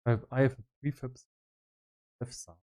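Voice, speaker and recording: A man giving casual live-stream commentary as a game developer, explaining his work in halting fragments as he thinks aloud. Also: medium pitch, steady tone, dark tone.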